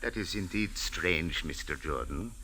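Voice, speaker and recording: An actor playing a suave, courteous, guarded Arab hotel manager with formal, measured phrasing in an old radio drama. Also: male voice, deep voice, expressive, pushed and bright, a little hiss or hum, exaggerated voice. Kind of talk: 1940s American radio drama acting. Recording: old-time radio recording.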